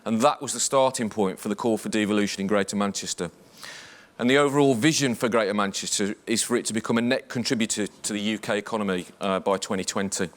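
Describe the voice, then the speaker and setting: A man with a Black Country accent, a police chief superintendent, giving a measured, formal presentation at a conference. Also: fairly low pitch. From English West Midlands. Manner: measured, formal briefing delivery.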